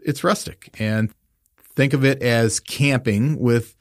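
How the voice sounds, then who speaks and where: A man's voice: mid-range voice, slow pace, no echo, clean studio sound. A man co-hosting a podcast, chatting casually with a wry, teasing humor. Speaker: podcast co-host. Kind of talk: casual chat.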